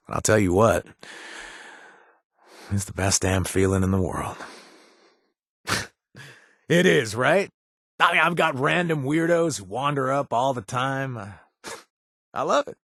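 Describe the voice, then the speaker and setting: An actor playing a remorseful former gang member and recovering addict who now runs a bar, talking casually with wry asides and trailing hesitations, recorded in a dry booth. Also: male voice, fairly low pitch, fairly bright tone, no room sound, heavily acted. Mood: grateful. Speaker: companion character. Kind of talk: video game voice acting.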